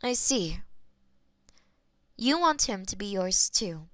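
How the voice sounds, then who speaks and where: A possessive demon mistress. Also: female voice, mid-range voice, big pitch swings, no echo, clean studio sound. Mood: firm. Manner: slow, intimate, possessive, softly spoken. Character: possessive centuries-old female demon mistress. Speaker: voice actor in audio roleplay. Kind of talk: scripted audio roleplay.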